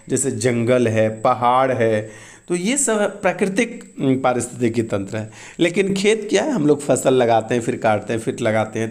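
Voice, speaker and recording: Casual male teacher with a Bihari Hindi accent, mid-pitched, briskly reviewing exam questions. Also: a little mellow. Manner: explains quickly and casually, often adds asides. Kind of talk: exam answer walkthrough.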